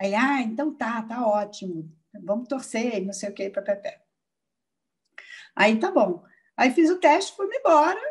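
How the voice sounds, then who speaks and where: The speaker goes at a fairly slow pace with an animated tone, very wide pitch swings and long, frequent pauses. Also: woman, fairly high pitch for a woman. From Minas Gerais, Brazil. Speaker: actress. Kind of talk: interview. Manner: animated storytelling.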